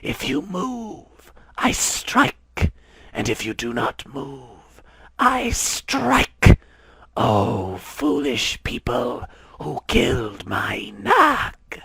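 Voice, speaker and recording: A man voicing a vengeful mother king cobra in a storybook reading, with a hissing, drawn-out whisper. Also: mid-range voice, wildly swooping pitch, sharp tone, no room sound, voice pushed up, heavily acted. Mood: threatening. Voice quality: raspy, gravelly.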